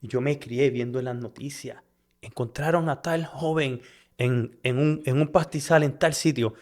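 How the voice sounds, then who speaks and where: A man's voice: mid-range voice, moderate pace, darkish tone. A man with a Puerto Rican accent hosting a Christian podcast interview, affirming his guest and slipping in English words. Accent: Puerto Rican Spanish. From Puerto Rico. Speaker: podcast host.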